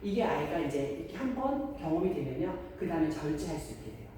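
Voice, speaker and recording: A woman leads a parenting lecture, acting out parents and children with lively swings in her voice. Her tone is mellow, and she sounds set back from the mic in a large, echoing room. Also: quick pace, distant mic. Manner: animated, acts out parent and child lines in a higher voice. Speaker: daycare parent-education lecturer.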